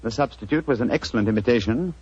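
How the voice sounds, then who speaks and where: A man's voice: medium pitch, darkish tone, slightly rough, lightly acted. A man playing a precise detective. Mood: calm reasoning. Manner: measured, precise, dryly polite. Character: calm, clever male detective. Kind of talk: 1940s radio drama acting. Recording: dull old radio broadcast.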